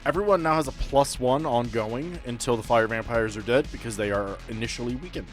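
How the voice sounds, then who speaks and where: A man runs a tabletop roleplaying game as its game master. His voice sits at a middle pitch, and he narrates the action and rulings with music playing behind him. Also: brisk.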